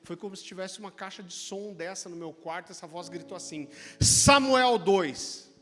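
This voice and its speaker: A man with a Brazilian accent preaching a sermon, telling a personal testimony in an animated, chatty way. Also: sits high, brisk. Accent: Brazilian Portuguese. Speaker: pastor. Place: church sanctuary. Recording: church hall reverb with music.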